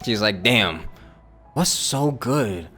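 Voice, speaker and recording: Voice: medium pitch, lively intonation, slow pace, sharp tone. A game streamer giving informal, jokey live reaction commentary. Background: game music.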